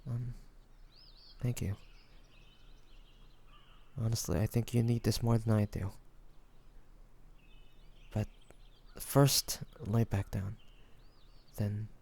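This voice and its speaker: A man playing a devoted young man, a tender best friend in an intimate fantasy audio roleplay, speaking gently and haltingly with sighs and pauses. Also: on the low side, little pitch movement, gravelly, breathy edge, heavily acted. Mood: soft, tender, then quiet, resigned.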